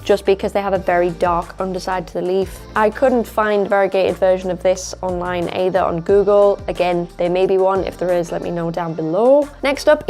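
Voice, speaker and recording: A woman's voice: mid-range voice, a little mellow. A woman talking casually to her viewers about her plants, chatty and rambling, while she is losing her voice. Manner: chatty, rambling, self-correcting. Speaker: plant vlogger. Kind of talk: casual talk to camera. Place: at home indoors.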